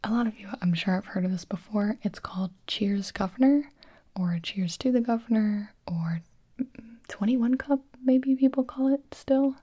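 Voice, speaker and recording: Young woman, whispering, very breathy, mellow, casual ASMR chat. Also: mid-range voice, normal speed. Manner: whispering throughout, chatty and playful. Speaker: ASMR creator. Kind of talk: whispered ASMR explaining party games.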